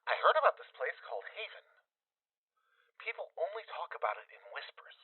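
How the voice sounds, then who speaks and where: A man acting in an audio drama as a grieving but hopeful father leaving audio logs in a wasteland, halting and tender, through a lo-fi recorder filter. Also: a little high, big pitch swings, breathy edge, no echo, heavily acted. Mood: hopeful resolve. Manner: halting, tender, sometimes dropping to a whisper. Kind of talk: full-cast audio drama, in-world audio log. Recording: tinny band-limited log recording.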